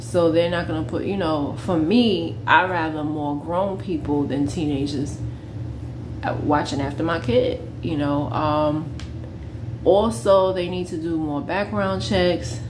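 Over noticeable background noise, a woman with a very deep, low pitch speaks at a fairly slow pace. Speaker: YouTuber and parent. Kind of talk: casual vlog monologue. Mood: earnest, critical. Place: home room. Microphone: phone near.

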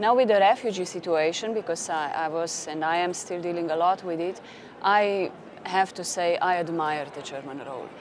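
A woman with a Slovenian accent talks at a moderate pace, her pitch fairly low with ordinary variation. The sound is dry with no echo, over light background noise. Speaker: politician. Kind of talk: panel discussion. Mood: serious, thoughtful. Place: hall. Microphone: lapel.

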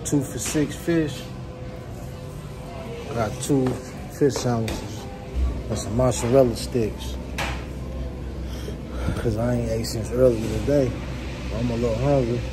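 A man speaking at a fairly slow pace with long, frequent pauses, clear music in the background. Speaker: truck driver vlogger. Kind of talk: casual vlog chat. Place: shop. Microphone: phone near.

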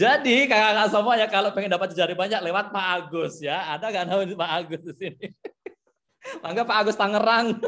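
Fairly quick, high-pitched speech from a man, bright and sharp in tone, with ordinary pitch variation. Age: young. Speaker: CSR professional and workshop speaker; workshop trainer or coach. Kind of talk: online workshop talk. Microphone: video call.

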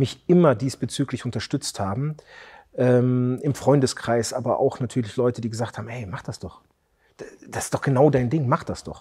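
This man's voice has a dark, mellow tone and a medium pitch. It sounds somewhat breathy. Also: ordinary pitch variation, moderate pace, big swings in loudness, quiet background. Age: 40s. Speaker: custom motorcycle builder; interviewee. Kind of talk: interview. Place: workshop.

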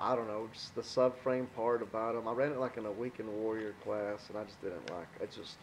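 In a West Texas accent, a man talks at a fairly quick pace and medium pitch with fairly even intonation and big swings in loudness, over light background noise. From Texas Panhandle. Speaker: demolition derby driver and mechanic. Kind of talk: casual interview. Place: home room. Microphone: studio mic.

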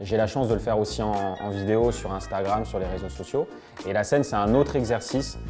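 Clear music plays in the background as a man speaks with a fairly low pitch and ordinary pitch variation. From Arcachon, south-west France. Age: 20s. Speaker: stand-up comedian. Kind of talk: interview answer. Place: studio. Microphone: lapel.

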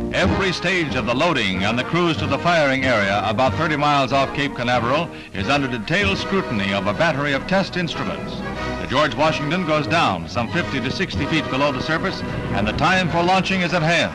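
Clear music sits in the background. Over it, a man talks at a very fast pace. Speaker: newsreel narrator. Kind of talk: newsreel narration. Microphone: old recording.

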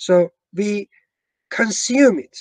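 A man's high-pitched voice, dry with no echo, against a quiet background. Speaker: lecturer or presenter. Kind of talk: lecture. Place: garden. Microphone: video call.

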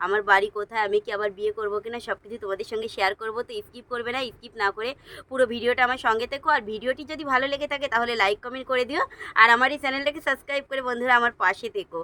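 A woman's high-pitched voice has a bright, sharp tone and a dry, close sound with no echo. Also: ordinary pitch variation, big swings in loudness. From West Bengal, North 24 Parganas near Kolkata. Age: 20s. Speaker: lifestyle vlogger. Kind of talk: casual vlog Q&A talk to viewers.

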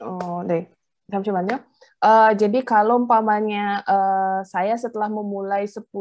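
With an unremarkable speaking voice, a woman talks at a moderate pace and medium pitch, her intonation fairly even against a quiet background. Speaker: interpreter. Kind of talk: consecutive interpreting of a business lecture. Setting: video call. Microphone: earbuds.

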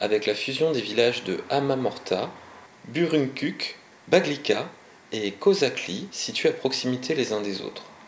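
At a fairly slow pace, a man with a medium pitch moves through very wide pitch swings. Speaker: amateur lecturer. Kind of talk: read-aloud lecture.

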